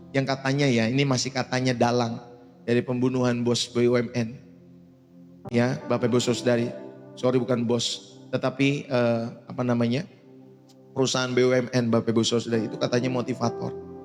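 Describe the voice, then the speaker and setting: A male pastor preaching a sermon in a blunt, colloquial way, often calling out to the congregation. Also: high voice. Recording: long reverb with faint music behind.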